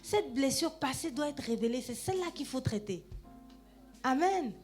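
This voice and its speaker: A woman pastor with a high voice preaches in a church, addressing the congregation directly in a lively, conversational manner. She tags her phrases with "hein" and calls for "amen" as she goes. Soft music plays faintly underneath. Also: normal speed. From Gabon. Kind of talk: sermon.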